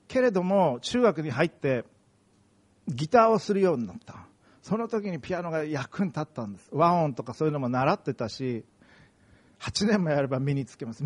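A man's voice: fairly high pitch, darkish tone. A middle-aged man from Okayama preaching a sermon, earnest and emphatic, telling personal stories. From Okayama, Japan. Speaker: pastor.

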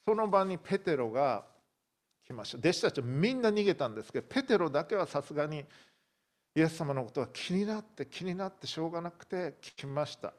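A man's voice: on the high side, expressive, brisk. A male pastor preaching a sermon, telling a story vividly and acting out the voices he quotes.

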